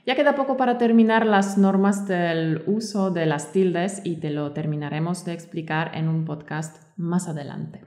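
A woman co-hosting a scripted teaching podcast. She reads example sentences in a clear, friendly teaching tone. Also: on the low side, normal speed, hardly any pauses, darkish tone. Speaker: podcast co-host and Spanish teacher. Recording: roomy echo.

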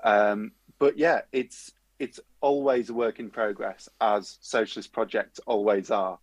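A man with a Durham accent speaks as a guest on a panel discussion. His voice sits fairly low, and the sound is dry with very little room in it. He talks in a conversational way, explaining things as an activist. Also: fairly even intonation, unhurried, no room sound. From Durham, North East England.

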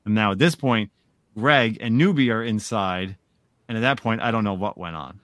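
A man hosting a comic book podcast, telling a story in a casual, animated way. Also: lowish voice, moderate pace, no room sound. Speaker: podcast host. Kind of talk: casual chat.

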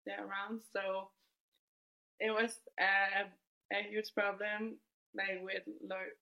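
Young woman with a flat, even voice. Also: medium pitch, slow, creaky, lo-fi sound. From Denmark. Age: 20s. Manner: relaxed, thoughtful storytelling with hedges. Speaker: guest footballer. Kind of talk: podcast interview.

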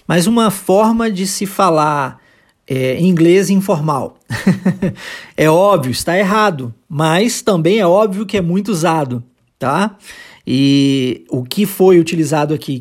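Brazilian Portuguese-accented English teacher, patient and clear, breaks down pronunciation and repeats lines slowly for learners. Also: mid-range voice. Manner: patient, explains step by step and repeats phrases slowly. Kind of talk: podcast language lesson.

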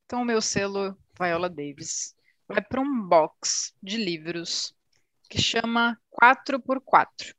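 A woman's voice: mid-range voice, expressive, slow pace, fairly bright tone, dry recording. Thoughtful woman co-host, dry sound. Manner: thoughtful, recommends books with many restarts. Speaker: podcast co-host. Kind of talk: casual chat.

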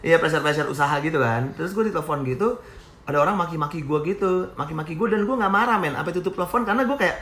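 A man's voice: on the high side, animated, racing, a bit bright, reverberant. A man in his thirties telling stories about his restaurant business in a casual, slangy interview, laughing often and dropping English phrases. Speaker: restaurant founder guest.

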